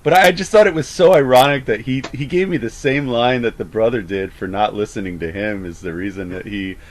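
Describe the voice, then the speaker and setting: A man's voice: mid-range voice, fairly quick, a little hiss or hum. A man chatting casually, rambling with frequent stammers and false starts. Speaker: host of a call debrief. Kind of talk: casual chat.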